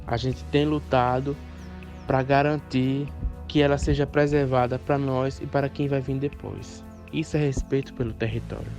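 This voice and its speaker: Interviewee, male, Brazilian, medium pitch, earnest explainer, light music bed. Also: fairly even intonation, moderate pace, a little mellow.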